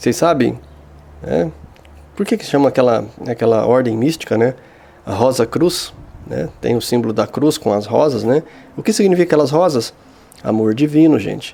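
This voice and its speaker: A man of medium pitch with a dark, mellow tone, vocal fry and lively intonation, moving at a moderate pace with long, frequent pauses. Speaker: tarot archetype teacher. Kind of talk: lecture.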